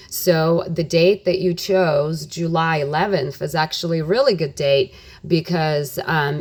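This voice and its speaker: Low-voiced Ukrainian-born woman, earnest. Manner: earnest, many "you know" fillers. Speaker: guest, nonprofit president. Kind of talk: radio interview. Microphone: phone or studio mic on radio.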